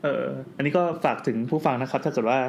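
A man hosting a casual chat podcast, quick and jokey, laughing often as he steers the talk. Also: mid-range voice, fairly even intonation, a little mellow, slight background noise. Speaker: podcast host.

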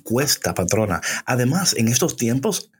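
A man's voice: medium pitch, big pitch swings, normal speed, slightly rough. A man co-hosting a conversational Bible-teaching podcast in Spanglish, slipping English phrases into his Spanish and repeating words for emphasis.

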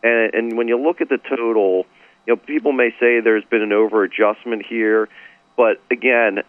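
A hoarse man who has partly lost his voice, a sportsbook director giving measured betting analysis with many "uh" fillers over a phone call. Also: mid-range voice, fairly even intonation, no room sound. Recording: tinny phone line.

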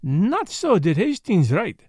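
An older French gentleman detective, with a raised, animated pitch. He is vain, courteous and kindly, and places his formal phrases with theatrical emphasis. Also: slow pace, husky, no echo, clean studio sound, exaggerated voice. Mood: teasing, kindly.

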